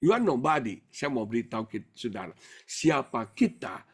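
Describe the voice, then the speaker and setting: A middle-aged male pastor preaching a sermon in an animated, colloquial way, slipping English words into his speech. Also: mid-range voice, moderate pace, vocal fry, breathy edge.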